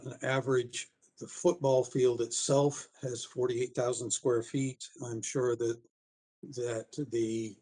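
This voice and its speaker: Man, mid-pitched, little melody, halting, formal public comment at a town meeting. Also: a little mellow.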